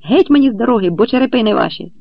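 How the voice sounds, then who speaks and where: A man voicing a furious Cossack captain who shouts and scolds a rowdy crowd in an audiobook. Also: very high voice, expressive, racing, no room sound, voice pushed up, exaggerated voice. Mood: furious, scolding. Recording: dull lo-fi recording.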